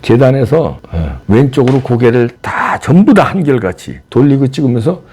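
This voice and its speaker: Guy ranting solo political commentary, mocking, lots of rhetorical questions, dark voice. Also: medium pitch, very animated, normal speed, slightly rough. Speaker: political commentary channel host.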